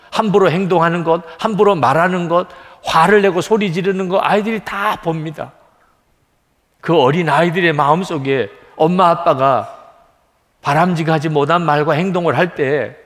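A middle-aged man preaching a sermon as a pastor, speaking earnestly to his congregation. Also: a little high. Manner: earnest preaching, acts out a child's plaintive voice in quotes. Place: large church sanctuary. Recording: long church hall reverb.

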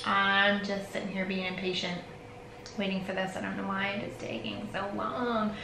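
A woman's voice: medium pitch, little pitch movement, moderate pace, gravelly. Forties lady rambling to her camera in a nail studio, roomy echo, faint hum. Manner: rambling, chatty, self-deprecating. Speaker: nail tech vlogger. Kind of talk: casual vlog chat. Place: home nail studio with shelves of polish.

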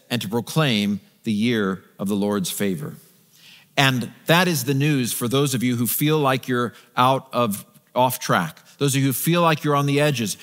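The long reverb of a large sanctuary surrounds a middle-aged pastor giving a conversational sermon to a live congregation. He paces the stage gesturing with a Bible, restarting often and repeating words. His voice is medium-pitched and fairly bright.

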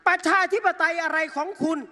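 A man's voice: very high-pitched, fairly even intonation, brisk, bright, forceful tone. A man giving a fiery, mocking political speech on an outdoor rally stage, speaking into a stage microphone and addressing the crowd directly. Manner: combative, mocking, addresses the crowd as brothers and sisters.

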